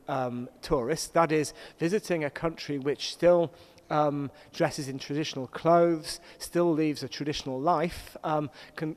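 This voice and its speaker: A middle-aged man moderating a conference panel, explaining things in a measured, storytelling way to introduce the discussion. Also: fairly high pitch. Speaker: panel moderator, senior university academic. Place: conference hall. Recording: echoey hall with long reverb.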